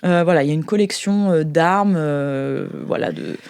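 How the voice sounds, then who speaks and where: A woman hosting as game master, improvising tabletop game narration in a halting, amused way. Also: deep voice, a little mellow, slight background noise.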